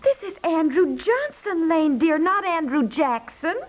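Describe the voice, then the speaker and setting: Casting: practical housewife for vintage radio comedy, high voice, apologetic to outsiders, gently bossy at home. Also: female voice, expressive, measured pace. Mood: scolding, anxious. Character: apologetic, practical housewife nudging her husband along. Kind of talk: 1950s radio domestic comedy acting.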